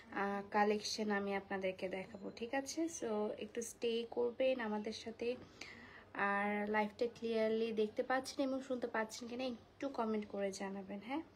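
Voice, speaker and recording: Soft-spoken woman selling saris live. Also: on the high side, slight background noise, low-quality recording. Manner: speaking softly, mixing English words into Bengali. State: suffering a migraine. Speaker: live sari seller. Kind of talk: live-stream sales chat.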